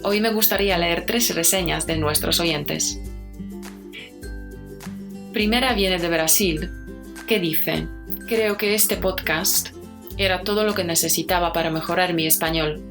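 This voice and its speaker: Spanish-accented woman teacher, podcast host, somewhat low voice, clear delivery over background music. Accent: Spain. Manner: clear, slow explanations.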